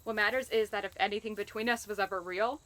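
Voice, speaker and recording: A woman's voice: medium pitch, steady tone, fast talker, a bit bright, lightly acted. A woman playing a determined but wounded wartime agent in an audio drama, earnest and emotional. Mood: hurt, pleading. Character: determined, wounded female wartime agent rescuing her lover.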